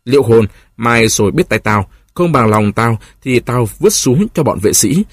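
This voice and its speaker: A coarse, menacing older prison warden, read by a man with a husky voice. The audiobook sound is dry and close. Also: medium pitch, expressive, moderate pace, no room sound. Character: cruel older male prison warden, threatening.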